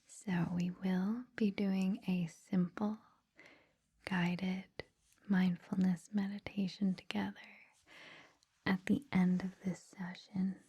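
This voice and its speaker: A woman host whispering softly in an ASMR style, gentle, reassuring and informal as she speaks to her listeners. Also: mid-range voice, little pitch movement, slow. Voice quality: soft breathy whisper. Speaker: ASMR host introducing a meditation series.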